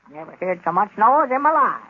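An actor playing a fretful old country man with a raspy voice and a rural Southern US accent in a 1930s radio comedy. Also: high-pitched, big pitch swings, fast, phone-quality sound, heavily acted. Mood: fretful, folksy.

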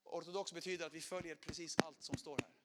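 A middle-aged man gives his conversion story as a sermon testimony, animated and acting out quotes while swinging from loud to hushed. His voice is a little high, and the recording is very noisy.

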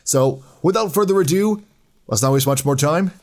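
A man's voice: fairly high pitch, normal speed, darkish tone. A man hosting a casual podcast, chatty and talkative, with filler words and restarts. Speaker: podcast host.

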